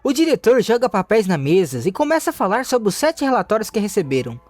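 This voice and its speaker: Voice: mid-range voice, big pitch swings, fast, a little mellow. A narrator, reading a comic story recap steadily, with small restarts. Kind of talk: recap narration, read aloud.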